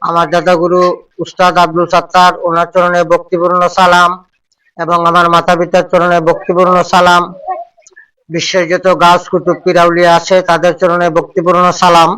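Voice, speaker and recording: A man's voice: high voice, completely flat delivery, brisk, bright, forceful tone, smooth, distant mic, rough recording. A man, a folk healer, giving a step-by-step ritual demonstration and repeating each instruction over and over.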